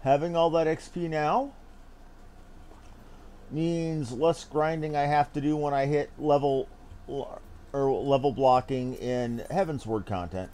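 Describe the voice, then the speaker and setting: A man's voice: fairly high pitch, a little mellow. A man streaming a game, giving chatty, casual commentary full of informal slang.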